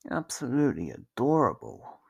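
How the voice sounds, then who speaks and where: An actor voicing a smug, possessive, centuries-old vampire in an ASMR roleplay, slow and condescending, with a gravelly, husky voice and whispered phrases. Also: mid-range voice, sing-song, darkish tone, dry recording, heavily acted. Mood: amused, nostalgic. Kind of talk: ASMR roleplay monologue to the listener.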